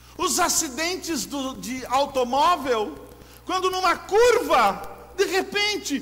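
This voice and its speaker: Extremely high-pitched male voice, raised and projected, with lively intonation, a very slow pace and noticeable background noise. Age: 60s. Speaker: pastor. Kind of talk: sermon.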